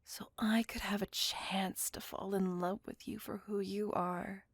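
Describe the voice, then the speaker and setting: A woman voicing a possessive, devoted female vampire on a date, speaking in a soft, close, apologetic and doting whisper. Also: medium pitch, little pitch movement, measured pace, husky, no echo. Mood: tender whisper. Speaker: voice actor. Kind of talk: ASMR roleplay whispering.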